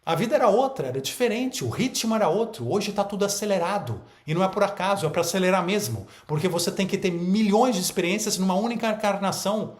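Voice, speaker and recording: A man's voice: high-pitched, animated, fast, few pauses, roomy sound. A man giving a spiritual talk to an online audience, emphatic and full of rhetorical questions and repeated phrases. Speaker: spiritual teacher.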